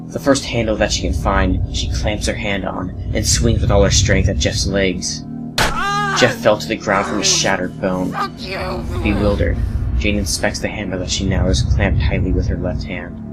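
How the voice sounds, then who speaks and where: Low-voiced man narrating horror. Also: rough recording. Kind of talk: scripted horror story narration. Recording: loud music under narration.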